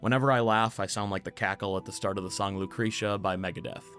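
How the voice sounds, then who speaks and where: A man with a hoarse, worn-out voice from being sick delivers casual game commentary in an upbeat, chatty way. His voice sits fairly low, and faint music plays underneath. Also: steady tone, fast, a bit bright. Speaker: gaming YouTuber.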